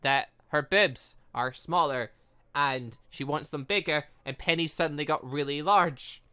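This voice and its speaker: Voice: medium pitch, a little slow, sharp tone, clean tone. A gaming video host giving casual, chatty, jokey commentary while playing through a game and reading its dialogue aloud.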